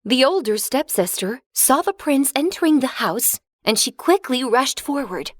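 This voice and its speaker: A woman narrating a children's fairy tale in a clear, expressive storybook reading. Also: high-pitched, normal speed, no room sound, clean studio sound.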